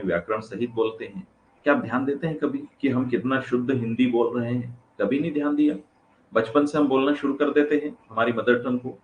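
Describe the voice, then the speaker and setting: A man's voice: mid-range voice, highs cut off. Hindi-English lecturing man in an echoey room. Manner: mixes Hindi and English, repeats phrases, asks students questions. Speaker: teacher. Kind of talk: classroom lecture. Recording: echoey room, faint background noise.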